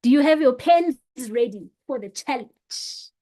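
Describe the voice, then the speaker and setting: A woman leads an online public speaking workshop in a fairly high voice. She talks expressively and motivationally. She speeds up, slows down and drops her volume to stress her points. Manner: expressive, varies volume and pace for emphasis.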